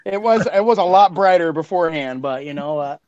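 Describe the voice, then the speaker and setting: A man's voice: fairly high pitch, animated, a little fast, lo-fi sound, a crowd in the background. A man hosting a podcast, chatting casually in an effusive, informal way. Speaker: podcast host and producer. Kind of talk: casual chat.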